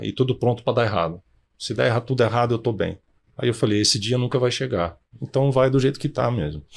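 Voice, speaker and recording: Over a very clean recording with a silent background, a man speaks at a very fast pace. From Minas Gerais, Brazil (Uberaba). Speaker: fund manager. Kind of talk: interview conversation.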